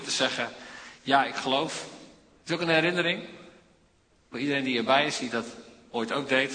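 Pastor guy, bright clear voice, lots of ehs, echoey church hall. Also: medium pitch. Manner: hesitant, many fillers. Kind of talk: sermon introduction.

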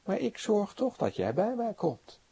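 Calm gentle savior guy, preacher doing the voice, reassuring, slow and a bit husky. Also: high-pitched, pitched above the performer's own voice, heavily acted. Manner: reassuring, quietly commanding.

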